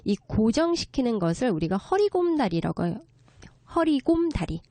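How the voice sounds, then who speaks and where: A woman giving a conversational lecture in a polite, explanatory way, often pausing to rephrase as she goes. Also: a little high, very animated, dark tone, no echo. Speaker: guest lecturer, children's story writer.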